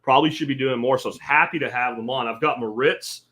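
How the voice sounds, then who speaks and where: A man's voice: mid-range voice, quick pace, bright, forceful tone. A middle-aged man from central Pennsylvania hosting a podcast, talking in a casual, folksy and emphatic way, including sponsor reads. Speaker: podcast host.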